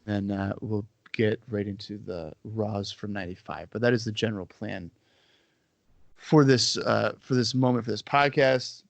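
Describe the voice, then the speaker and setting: A man's voice: on the low side, fairly even intonation, moderate pace, gravelly, no room sound. A man hosting a podcast, talking in an easygoing, joking way with a stuffy head cold, on his own microphone over an internet call. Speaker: podcast host. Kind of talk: casual chat.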